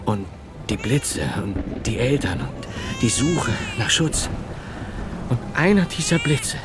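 A grave medieval monk in an audio drama monologue. His mid-pitched voice moves slowly through measured, poetic fragments of memory, with music clearly underneath. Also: big pitch swings. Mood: grave, haunted. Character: medieval Italian monk recalling his childhood, grave, haunted. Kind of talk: dramatic first-person monologue.

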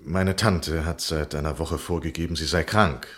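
An actor playing a dry, sardonic gentleman in a German radio crime drama, speaking laconically and unruffled. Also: rumbling low, steady tone, moderate pace. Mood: dry, knowing. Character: dry, sardonic gentleman nephew of a murdered lady.

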